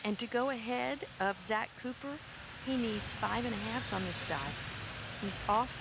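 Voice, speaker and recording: A woman's voice: fairly high pitch, measured pace, creaky. A woman giving live, analytical diving commentary, explaining technique and scoring as a sports analyst. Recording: very noisy natatorium ambience behind. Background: loud venue noise.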